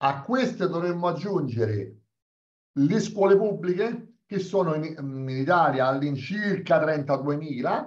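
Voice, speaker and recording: Very slow in pace, a man speaks with a high pitch and lively intonation. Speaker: foundation director, environmental policy expert. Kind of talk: webinar lecture. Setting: video call. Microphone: webcam.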